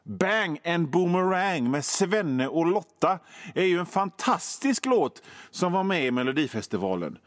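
Man, radio host, sardonic mock-grumpy rant, slightly high voice, dry close studio sound. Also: very animated, dry recording. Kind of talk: comedic radio monologue.

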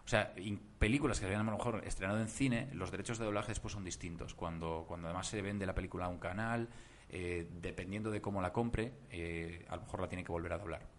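A man who works as a voice actor, guesting on a podcast and telling stories in an animated way with lots of asides. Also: low voice, quick pace, slight background noise. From Germany. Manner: animated storytelling, many asides. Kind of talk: casual podcast interview.

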